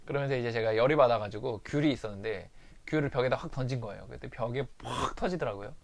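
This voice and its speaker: A man's voice: mid-range voice, quick pace, gravelly. A man candidly recounting a fight with his wife in a personal recovery diary monologue. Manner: candid, confessional storytelling.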